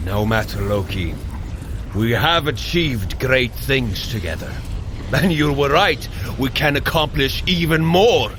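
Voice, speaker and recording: A man's voice: mid-range voice, animated, unhurried, background noise, natural voice. Man playing a hearty warrior god, swooping delivery. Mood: rallying. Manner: rallying, grandly formal, addresses listener as mortal. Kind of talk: scripted audio drama acting for a running workout.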